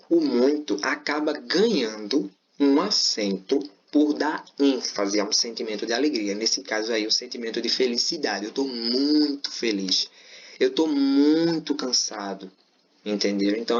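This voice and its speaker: A man's voice: medium pitch, a bit bright, a little hiss or hum. Man teaching grammar, lo-fi sound. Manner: frequent checking tags like "certo?" and "beleza?"; informal, repeats himself while explaining. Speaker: Portuguese teacher. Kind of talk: explanatory video lesson. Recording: slightly dull lo-fi recording.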